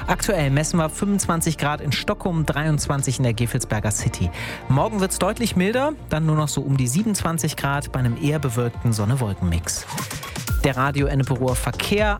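An upbeat male morning radio host reads weather and traffic with a bouncy, lively melody in his voice. A clear music bed runs under his talk in the studio. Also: a little high. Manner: upbeat, friendly, casual.

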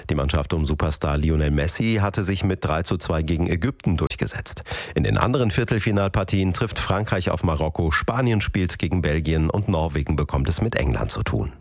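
A man reading the national news on the radio in a measured, formal manner. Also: low-pitched, lively intonation, dry recording, clean studio sound. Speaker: radio newsreader.

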